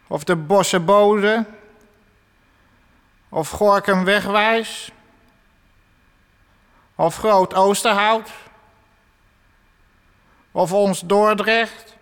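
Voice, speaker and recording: A man's voice: sits high, fairly bright tone, clear, resonant tone, heavily acted. An actor playing a gloomy, self-pitying man who sells ads from a newspaper's basement, speaking in a mournful, passive-aggressive way. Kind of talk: radio comedy acting. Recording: long reverb.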